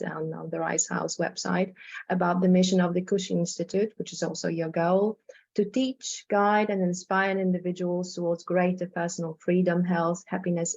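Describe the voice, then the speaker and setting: A woman's voice: on the low side, vocal fry, darkish tone. Polish-accented woman presenting, dull lo-fi audio. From Poland. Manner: hesitant, repeats words, tags sentences with "right?". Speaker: hypnotherapist presenting. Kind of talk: informal online presentation.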